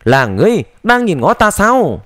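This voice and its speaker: A man voicing an ancient, emotionless male sage of destruction in an audiobook, speaking in a flat, calm, cold way. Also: high-pitched, normal speed, dry recording, clean studio sound. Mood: coldly calm.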